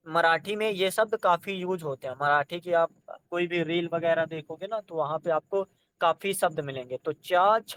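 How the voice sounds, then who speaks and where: A man's voice: high voice, a bit bright, clear, resonant tone. A man teaching an exam-prep lesson, sounding out letters one by one and urging students to try them. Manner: addresses students directly, coaxing them to try.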